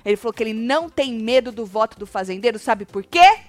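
A woman's voice: on the high side, expressive, fast, dry recording, soft background music. A woman co-hosting a live reality-show commentary chat, retelling events animatedly and acting out quoted lines with dramatic emphasis.

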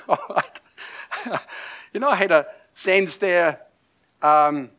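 A man's voice: a little high, a bit bright. A middle-aged man from Austria with a German-accented English, preaching a conversational sermon with many fillers and restarts. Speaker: pastor.

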